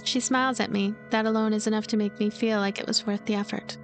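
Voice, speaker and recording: A woman's voice: mid-range voice, fairly even intonation, fast talker. A woman doing let's play commentary, moving between story narration and her own casual remarks. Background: background game music.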